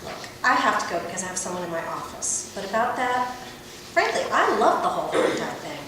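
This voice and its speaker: A woman's voice: medium pitch, very animated, fairly quick, close to an everyday voice. A woman playing a brash, sardonic adult-film producer and agent in a script read aloud, with a wry, teasing, theatrical manner. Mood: brisk, exasperated. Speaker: actor at a table read. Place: echoey room at a table read. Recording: distant mic in echoey, noisy room.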